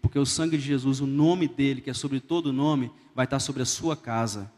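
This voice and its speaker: A man's voice: mid-range voice, moderate pace, a little mellow. A male pastor preaching a sermon in a church, telling a story with emphatic, rising delivery. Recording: echoey church hall.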